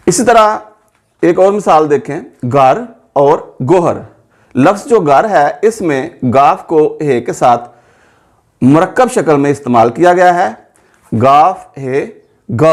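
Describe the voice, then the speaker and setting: A man with a Pakistani Urdu accent gives a spelling lesson at a very unhurried pace. His voice sits a little high for a man, and he sounds out each letter and stretches the example words so learners can follow. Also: a little mellow. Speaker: teacher. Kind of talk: slow, methodical spoken lesson.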